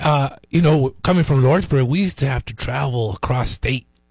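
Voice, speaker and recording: A man talks at a moderate pace with a fairly high pitch and a somewhat breathy quality. The sound is dry and close, with no echo. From New Mexico. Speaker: sports media relations director and podcaster. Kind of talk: casual interview chat.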